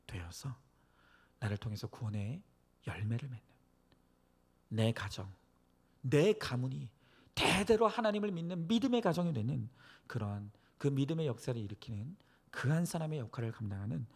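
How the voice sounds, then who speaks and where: A male pastor preaching and praying earnestly to a congregation, exhorting them with phrases that swell from hushed to emphatic. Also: mid-range voice. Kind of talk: sermon and prayer to a church congregation.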